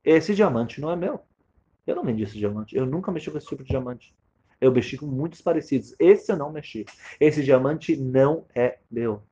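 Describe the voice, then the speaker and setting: A precise older jeweler insists on his point with emphasis, as a man telling a sermon story voices him. The voice is husky, and the recording is muffled. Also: medium pitch, animated, a little fast, dark tone. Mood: insistent.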